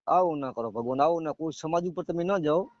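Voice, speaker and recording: A man's voice: a little high, fast, no room sound. A man with a Gujarati accent debating on a phone call, conceding points and putting his objections in a conciliatory way. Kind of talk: argumentative phone conversation. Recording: dull, dry lo-fi phone call.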